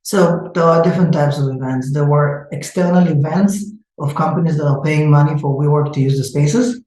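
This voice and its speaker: A man's voice: fairly high pitch, moderate pace, a little mellow. A man from Israel with an Israeli accent, a startup founder answering interview questions in a hesitant way with many filler sounds. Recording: echoey room.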